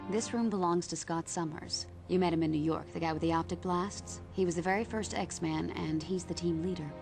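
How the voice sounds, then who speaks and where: An actress voicing a calm adult heroine who leads a newcomer on a tour of her team's home in a video game. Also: lowish voice, brisk, gravelly, over music. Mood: welcoming. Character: calm adult woman mutant team guide. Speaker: game character giving a house tour.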